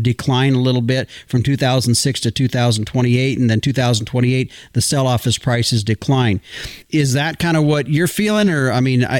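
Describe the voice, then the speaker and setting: A man's voice: medium pitch, dry recording. A man hosting a radio show in a conversational, folksy and informal way.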